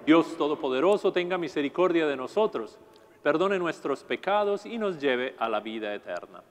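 Priest, 40s, high voice, measured solemn liturgical delivery, lapel mic in a long-reverb chapel. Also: male voice, lively intonation. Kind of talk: liturgical prayer at Mass. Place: large stone chapel.

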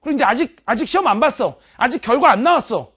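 A woman's voice: high voice, lively intonation, fast, fairly bright tone, slightly rough. A woman math teacher giving a casual, blunt motivational talk to her students in an emphatic, chatty, scolding way.

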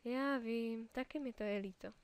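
A woman reading a storybook, voicing a lonely but plucky young cowgirl doll who speaks quietly and keeps herself steady. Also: a little high, clear, resonant tone, natural voice. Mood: sad. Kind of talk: storybook character voice.

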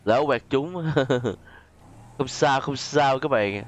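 A gaming YouTuber with a southern Vietnamese accent talks slowly in a mid-range voice. His casual gameplay commentary is chatty and exclamatory, mixed with role-play, and he often speaks directly to his viewers.

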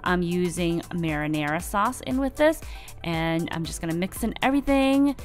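A woman in her thirties, a lifestyle vlogger, talking through her meal prep in a relaxed, friendly voice-over. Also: lowish voice, normal speed, soft background music. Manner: friendly, relaxed instructional talk with upbeat lifts. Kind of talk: cooking voice-over, casual how-to.

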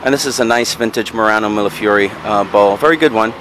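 A man's voice: on the low side, fast talker, a bit bright, slight background noise, rough recording. A man casually talking through things he bought, rambling with frequent ums and self-corrections, recorded outdoors on a handheld camera. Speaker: vlogger showing resale finds. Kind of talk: casual show-and-tell narration. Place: outdoors in a backyard patio.

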